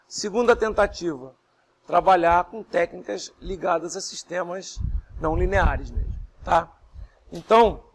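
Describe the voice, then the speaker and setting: A hoarse male lecturer teaching a class. He goes step by step, asks his students questions, and speaks softly with pauses for breath. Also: high voice, slight background noise. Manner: speaks softly and not fast, pausing to breathe. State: hoarse, voice strained after illness. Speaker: university lecturer.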